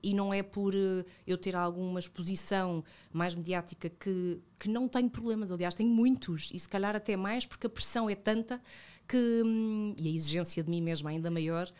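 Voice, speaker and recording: A woman's voice: mid-range voice, brisk, darkish tone, smooth. Reflective Portuguese woman guest in studio. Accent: European Portuguese. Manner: reflective, frequent fillers and self-corrections. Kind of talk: casual conversational interview. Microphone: studio boom mic with headphones.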